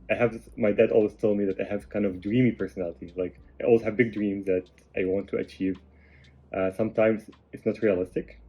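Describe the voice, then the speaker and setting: A man, answering interview questions in a calm, quiet way. His voice sits low, with fillers and pauses between thoughts. The sound is dull and lo-fi. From Egypt. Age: 30s. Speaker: podcast guest.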